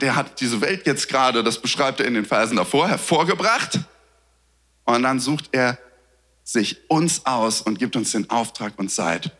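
A man preaching a sermon in a lively, conversational way, asking his listeners questions. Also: fairly high pitch. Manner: lively, conversational, asks the audience. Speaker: pastor. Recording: reverberant hall.

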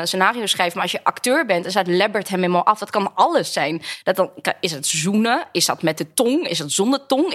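Frank storytelling woman, casual chat. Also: lowish voice. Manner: animated, frank anecdote-telling. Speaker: actress, podcast guest.

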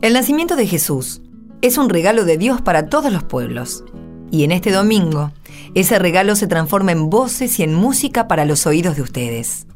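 A woman's voice: lowish voice, sing-song, moderate pace. A woman reading scripted narration for a radio drama. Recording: soft guitar music behind. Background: acoustic guitar music.

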